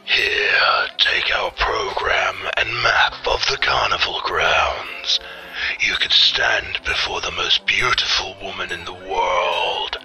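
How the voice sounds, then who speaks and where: A man's voice: low voice, slow, gravelly, music in the background, heavily acted. An actor playing a grandiose carnival barker, delivering florid old-time sideshow patter in a theatrical showman's manner. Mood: smooth salesmanship. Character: grandiose male carnival barker luring customers.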